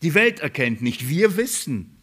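A man's voice: fairly high pitch, big pitch swings, unhurried, breathy edge. A man preaching a sermon, emphatic and direct, asking rhetorical questions and calling his listeners beloved. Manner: emphatic, rhetorical questions, swings between loud stresses and quiet drops. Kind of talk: sermon on a Bible letter.

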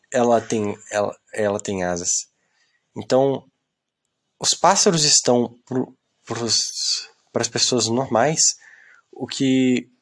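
A young man, rambling through a solo podcast into a phone in a self-mocking, complaining way that often trails off into mumbles. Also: mid-range voice. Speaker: podcast host.

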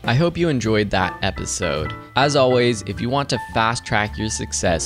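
A man hosting a podcast, upbeat and affirming as he thanks his guest and closes the show. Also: medium pitch. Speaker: podcast host. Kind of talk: casual interview chat and show outro.

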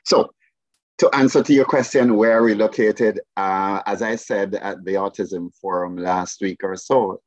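A man from Jamaica with a Jamaican accent, a resort representative speaking as a podcast guest, pausing often with fillers. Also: lowish voice, fairly even intonation, no echo, muffled recording. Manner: speaks with many fillers and pauses. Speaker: resort business development guest. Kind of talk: podcast interview.

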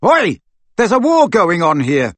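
Storybook lead: teenage boy, played by a man, determined and direct, urgent delivery with animated intonation. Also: on the high side, moderate pace, breathy edge, no room sound. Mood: exasperated.

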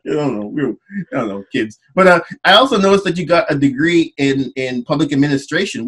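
A man's voice: mid-range voice, a bit bright. A man interviewing a guest in a casual, conversational style.

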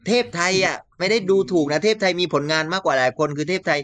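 A man talking politics in a casual chat, animated and laughing often. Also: fairly high pitch, quick pace, no room sound. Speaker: political commentator.

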